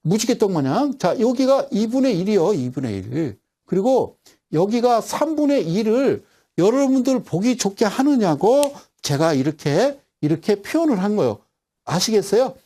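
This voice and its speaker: Lively-voiced man teaching stock charts. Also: sits high, normal speed. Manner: repetitive teaching, constant check-ins with viewers. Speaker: stock market lecturer. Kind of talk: recorded online trading lecture.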